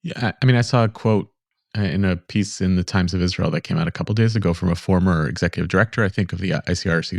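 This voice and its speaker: A man's voice: low-pitched, no room sound, clean studio sound. A man hosting a podcast interview, asking thoughtful, probing questions in a conversational way. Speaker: podcast host.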